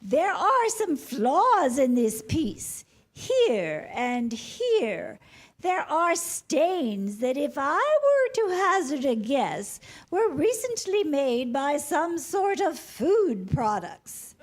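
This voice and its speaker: Woman acting pompous antiques expert, high pitch, slow formal delivery, very animated intonation, condescending, stage comedy. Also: full character voice. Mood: coolly dismissive.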